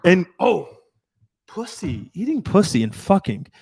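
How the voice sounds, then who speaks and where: A man's voice: sits high, big pitch swings, measured pace, vocal fry, a little mellow, breathy edge, no room sound, clean studio sound. A man in his thirties, a dating coach, talking casually and at length on a podcast, swearing often and restarting his sentences. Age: 30s. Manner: rambling, profane, restarts often.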